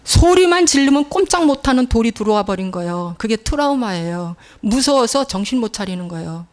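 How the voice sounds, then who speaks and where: Casting: middle-aged woman pastor, fairly high voice, animated storytelling sermon in a church. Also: brisk. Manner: emphatic storytelling preacher, acting out quoted scolding.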